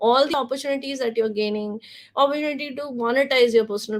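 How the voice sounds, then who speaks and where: Very fast and fairly even in intonation, a woman talks with a high pitch. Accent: Indian. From northern India. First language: Hindi. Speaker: LinkedIn coach. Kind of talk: webinar presentation. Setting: online live stream.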